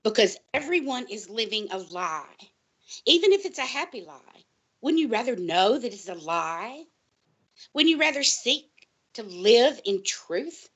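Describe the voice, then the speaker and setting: A distraught, high-voiced paranoid librarian. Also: female voice, sing-song, breathy edge, exaggerated voice, poor audio. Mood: urgent, pleading. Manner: dramatic, halting, pleading. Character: distraught, paranoid female college librarian, earnest and insistent. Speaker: guest on a college radio show. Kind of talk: audio drama acting.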